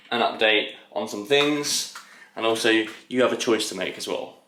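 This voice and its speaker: A man is speaking. Room echo is audible. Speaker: bodybuilder vlogger. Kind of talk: casual vlog. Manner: halting.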